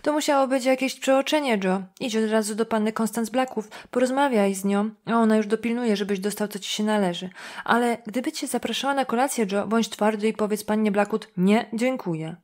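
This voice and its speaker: A woman playing a loud, mocking small-town man. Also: sits high, a little fast, close to an everyday voice. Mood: taunting. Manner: drawling, taunting, repeats himself with laughs.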